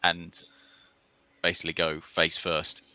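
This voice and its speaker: A man's voice: sits low, monotone, a little slow, sharp tone, clean tone. A man playing a tabletop game, talking casually about his character. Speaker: player. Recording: dull lo-fi audio.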